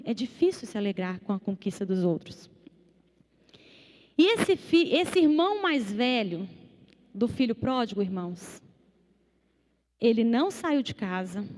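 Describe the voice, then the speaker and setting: High-voiced woman preaching in a reverberant church. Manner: animated, acts out quoted voices. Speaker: psychologist preaching. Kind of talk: church sermon. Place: church hall.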